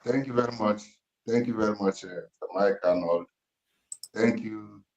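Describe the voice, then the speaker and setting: A Nigerian man in his fifties, speaking slowly and gravely over a phone call, with an emphatic, almost preaching manner. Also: fairly low pitch, darkish tone. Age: 50s. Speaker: interviewer on a call. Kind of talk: impassioned questioning, near-sermon. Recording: echoey phone-call audio.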